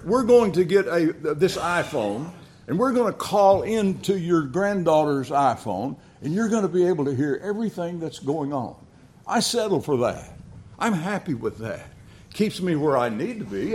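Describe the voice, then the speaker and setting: An older man preaches a sermon, telling family stories in a halting way, with frequent restarts and chuckles. His voice is a little high and very animated, and there's a little hiss or hum in the background.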